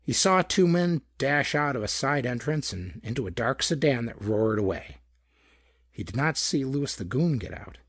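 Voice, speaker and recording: A man narrating a pulp detective story in a gravelly, husky voice, with dramatic storytelling delivery. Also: mid-range voice, expressive, normal speed, a bit bright, dry recording, studio quality. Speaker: audiobook narrator. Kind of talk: scripted narration of hardboiled pulp detective fiction.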